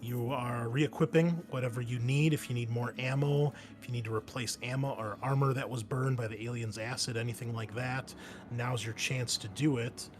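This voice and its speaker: A man's voice: mid-range voice, steady tone, normal speed. A man speaking as host and game master of a tabletop roleplaying session, in an informal, conversational way. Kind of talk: casual chat and recapping a tabletop game.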